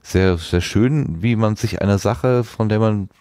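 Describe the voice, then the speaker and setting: A man hosting a podcast, talking off the cuff with deliberate, searching phrasing. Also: fairly low pitch, mellow, no echo, clean studio sound. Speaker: podcast host. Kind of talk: unscripted podcast talk.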